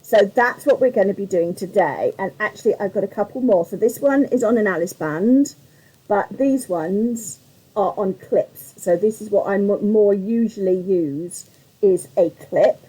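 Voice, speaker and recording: A woman with a mellow, warm tone and a slightly croaky edge hosts a live craft demonstration. She talks in a chatty, rambling way, with plenty of fillers, and keeps greeting her viewers by name. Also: medium pitch, unhurried, low-quality recording. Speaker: craft tutorial host on a live stream.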